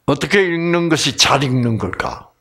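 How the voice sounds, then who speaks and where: A man from Gyeongsang Province giving a lively Bible lecture, often quizzing his audience. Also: fairly high pitch, moderate pace. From Gyeongsang Province, Korea. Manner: animated, keeps quizzing the audience.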